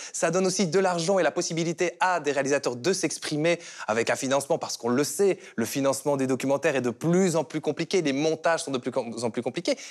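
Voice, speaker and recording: This man talks at a very fast pace in a fairly high voice. The recording is very clean, with a silent background. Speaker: journalist from Belgian public broadcaster. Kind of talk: panel discussion.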